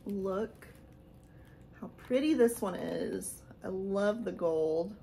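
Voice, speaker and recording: A woman in her thirties chatting casually in a haul vlog from a small room, rambling and laughing, a little hoarse from losing her voice. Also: medium pitch, slow pace, dark tone, slight background noise. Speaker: vlogger showing a haul. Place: small decorated room indoors.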